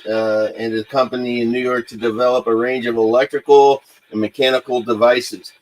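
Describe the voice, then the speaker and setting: A man from the United States hosting a paranormal livestream, talking casually and off the cuff in a halting way with frequent pauses and filler sounds. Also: mid-range voice, low-quality recording. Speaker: host of a paranormal investigation livestream. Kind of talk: casual unscripted livestream talk.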